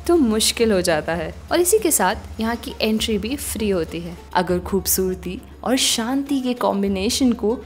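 A young woman narrating a travel vlog voice-over in a calm, informative storytelling manner. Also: mid-range voice, normal speed, few pauses. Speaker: travel vlogger.

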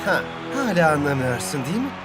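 A man's voice: on the high side, very animated, quick pace. A man voicing a cocky star footballer in a dubbed cartoon, boastful and teasing. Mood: smug. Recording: loud music under distant voice.

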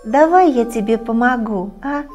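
A woman reading aloud and voicing a shy, touchy little female eraser with a high, pleading voice. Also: expressive, moderate pace, darkish tone, soft background music, natural voice.

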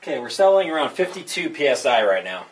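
A young man narrating a hands-on plumbing demonstration, explaining each step in a relaxed, casual way with fillers. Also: medium pitch, quick pace. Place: indoors in a tire-walled building under construction.

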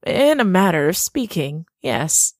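A genteel, secretive hostess. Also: female voice, on the low side, very animated, no echo, clean studio sound. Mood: gracious. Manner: gracious, slow and courteous. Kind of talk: audio drama acting.

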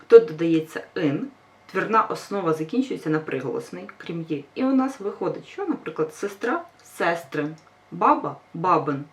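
A woman's voice: fairly low pitch, lively intonation, moderate pace, darkish tone. A woman teacher giving a grammar lesson, patient and reassuring, stressing each example word. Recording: voice a bit far from mic.

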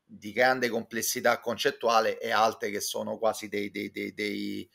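Gravelly man, talking intellectually. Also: lowish voice, flat delivery, a bit bright. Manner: intellectual, discursive, halting with repeated self-corrections. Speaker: guest commentator. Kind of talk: casual opinionated discussion, recounting a concert. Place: small room with bookshelves, at home. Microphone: computer mic on a video call.

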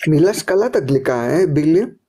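A man chatting casually as a live stream host, talking in quick, lively bursts. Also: fairly high pitch, breathy edge. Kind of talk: casual chat.

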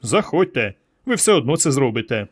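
A man's voice: medium pitch, very animated, a little fast, husky. A man voicing a flustered, nervous man who protests against intruders. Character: anxious flustered young man.

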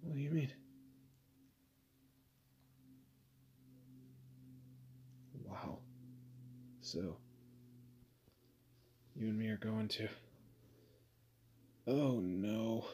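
A man playing a weary, wry kidnapped guy in a roleplay audio drama, speaking haltingly and conversationally. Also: lowish voice, lively intonation, mellow, slight background noise. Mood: resigned, uneasy. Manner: hesitant, halting, sardonic.

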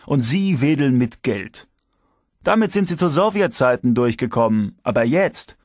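A man's voice: a little slow, dry recording, natural voice. Male reader playing a teasing ex-cop security chief, lifts his voice, dry audiobook sound. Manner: lively, teasing, raised pitch. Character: shrewd, moralizing male security chief, ex-detective.

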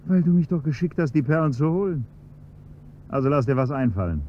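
Guy doing a sly blackmailing chauffeur, dark mellow voice, smug and cold, dull hissy old radio play. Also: on the high side, expressive, a little fast, lightly acted. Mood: menacing. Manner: polite and servile, then coolly mocking and menacing. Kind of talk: 1970s-style German radio play acting.

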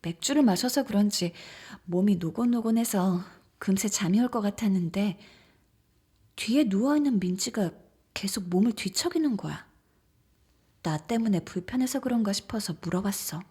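An actress playing a frightened young woman who recounts a ghost story in an intimate, suspenseful audio drama style, conversational and at times hushed. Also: medium pitch, lively intonation, moderate pace, slightly rough. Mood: hushed, uneasy. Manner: conversational, suspenseful, drops toward hushed whispers. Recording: background music under the voice.

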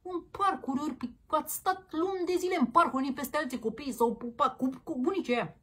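Speaking with a high, slightly bright voice, a woman rants as host of a political commentary program. She is combative, crude and mocking, using plenty of slang to address people.

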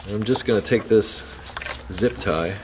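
A man's voice: lowish voice, normal speed. A man casually demonstrating a car repair step by step while he works, talking as he handles parts. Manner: relaxed, talks while working with hands. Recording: long reverb with faint background noise.

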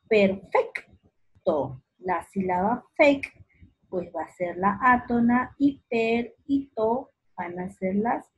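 A woman teaching a remote lesson to young children, slowly stretching out words syllable by syllable and speaking affectionately to the child. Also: medium pitch, slightly rough, dull audio. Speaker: primary school teacher.

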